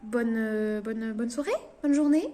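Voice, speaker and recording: A woman's voice: on the high side, unhurried, warm tone. A woman chatting casually and emphatically as a video blogger, in an echoey, resonant room. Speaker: film review vlogger. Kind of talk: casual reaction commentary to camera.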